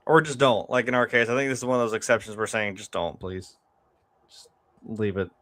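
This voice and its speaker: A man's voice: on the low side, steady tone, brisk, a bit bright. A man chatting casually about films as a co-host, in a conversational way with trailing asides. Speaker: film review show co-host.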